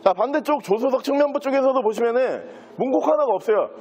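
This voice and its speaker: High-pitched male used-car salesman, mellow tone. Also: lively intonation, fast talker. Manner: smooth, practised used-car salesman patter. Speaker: used car dealer presenting a car. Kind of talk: sales walkthrough, unscripted vlog presentation. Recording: dull, muffled lo-fi sound.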